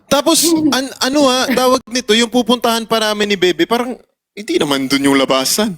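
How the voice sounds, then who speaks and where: A man's voice: extremely high pitch, a little fast, a bit bright. A young man chatting playfully on a livestream, now and then singing along. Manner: playful, sometimes sings along. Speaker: livestream co-host. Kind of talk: casual livestream chat.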